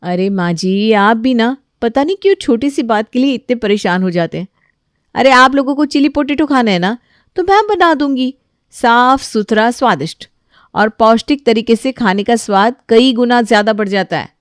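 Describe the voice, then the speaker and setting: A woman's voice: a little high, lively intonation, moderate pace, no room sound, studio quality, natural voice. A woman doing a sweetly firm young mother. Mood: sweet persuasion. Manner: sugary coaxing with a stern edge. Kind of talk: storybook voice acting.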